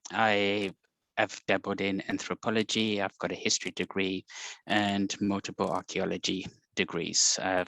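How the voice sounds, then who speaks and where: A man in his forties with a South African accent, speaking as a guest on a video call interview in a measured, explanatory way. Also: on the low side, a bit bright, dry recording, poor audio. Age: 40s. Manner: measured, explanatory, with frequent ums and uhs.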